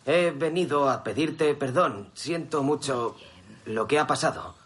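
A man's voice: fairly high pitch, measured pace, noisy background, close to an everyday voice. An actor playing an impulsive young village man who grumbles and apologizes sheepishly.

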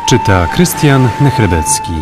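A man reading an audiobook aloud in clear, expressive scripted narration on a close mic. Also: medium pitch, unhurried, loud music behind the voice.

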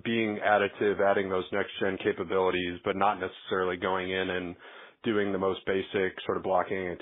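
A male financial analyst asking questions on an earnings call. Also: low-pitched. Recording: narrow phone-band call.

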